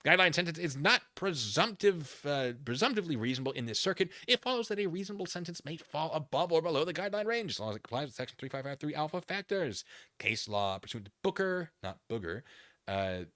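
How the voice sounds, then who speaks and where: A man with a bright, forceful voice reads a document aloud and comments on it off the cuff. His delivery swings widely in pitch, moving theatrically between reading and sarcastic muttered asides. The sound is close and dry. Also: very animated, quick pace, no room sound. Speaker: commentary streamer, channel host.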